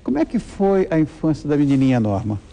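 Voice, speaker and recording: A man's voice: on the high side, huge pitch swings, brisk, creaky, dark tone. A man with a Brazilian accent hosting a talk show and interviewing a guest in a conversational way.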